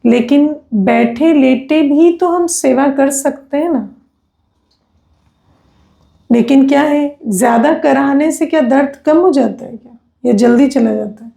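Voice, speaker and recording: A woman's voice: sits high, measured pace, gravelly, dark tone. A woman, a spiritual teacher giving a conversational discourse that is full of tag questions and personal anecdotes.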